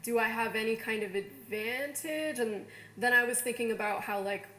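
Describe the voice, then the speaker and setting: A woman's voice: a little high, normal speed, pushed and bright, echoey room. A young woman in a casual panel discussion, hedging her words and filling them with "like". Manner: hedging, lots of "like". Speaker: panel guest.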